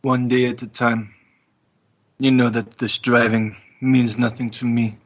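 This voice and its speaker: A man's voice: medium pitch, level tone, lightly acted. Man playing a courtly ancient male, muffled sound. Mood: grave, resolute. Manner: formal, deliberate, courteous. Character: centuries-old, courtly male being, grave, protective and loyal.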